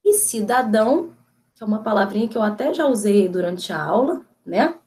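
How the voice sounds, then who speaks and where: A woman teacher giving a video lesson, explaining step by step in a slow, patient way and often checking that her students follow. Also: mid-range voice, expressive, a little mellow.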